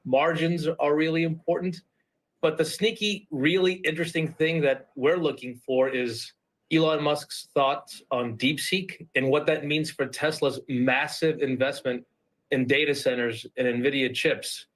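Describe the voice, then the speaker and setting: A man appearing as a guest analyst in a business TV interview, explaining his points in a measured, step-by-step way. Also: a little high, steady tone, fairly bright tone.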